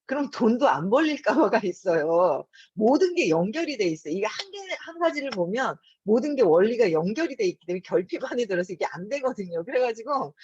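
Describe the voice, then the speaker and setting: A woman's voice: mid-range voice, darkish tone, breathy edge, no echo. A woman in her fifties hosting her own channel, telling a home story in a chatty, casual way and laughing often between her words. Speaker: host. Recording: dull lo-fi recording.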